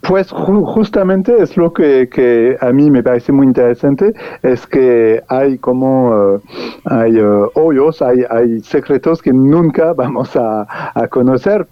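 A man answers in halting, speech, pausing often and restarting his words. The recording is dry and dull, with little room and a lo-fi tone. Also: medium pitch, no room sound. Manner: hesitant, many restarts and fillers. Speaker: guest researcher. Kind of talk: unscripted interview answers.

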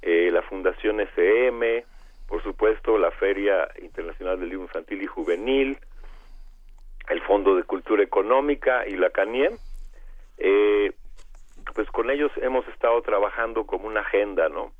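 A man with a Mexican accent and a hoarse, cavernous voice from bronchitis, speaking haltingly as a guest in a radio interview over a phone line. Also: fairly low pitch. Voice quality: cavernous, congested voice. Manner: halting, hesitant, searching for words.

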